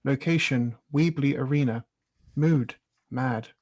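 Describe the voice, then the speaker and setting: A man's voice: mid-range voice, slow pace, a little mellow. A man reading scripted scene-setting narration as the narrator of a staged reading.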